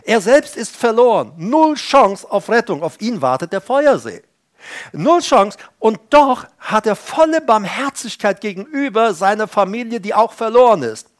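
Earnest high-voiced preacher. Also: male voice, very animated, normal speed. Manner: earnest, emphatic, acts out voices of people in stories. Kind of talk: sermon.

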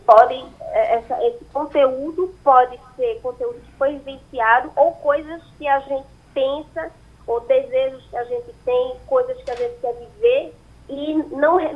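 A woman speaking over a landline phone as an expert guest on a radio call-in, explaining with frequent hesitant fillers. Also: high voice. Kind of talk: radio interview answers. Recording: muffled phone line.

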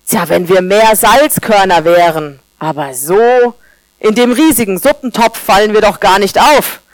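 A woman's voice: mid-range voice, a little slow, dry recording, lightly acted. A woman reading as a skeptical salt grain, grumbling, complaining, storybook tale, dry sound.

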